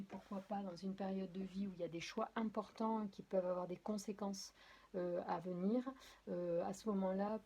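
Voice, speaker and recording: This tarot and oracle card reader has a mellow, fairly low-pitched voice. She talks straight to her viewers in a casual card reading, hesitating often and filling it with fillers, restarts and apologies.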